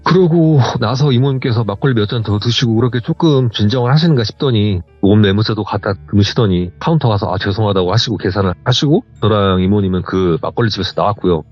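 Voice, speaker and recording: A man's voice: lowish voice, fast, hardly any pauses, soft background music. A man on a phone interview, telling a true horror story and acting out the voices in it. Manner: animated, acts out the quoted voices. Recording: dull lo-fi phone line.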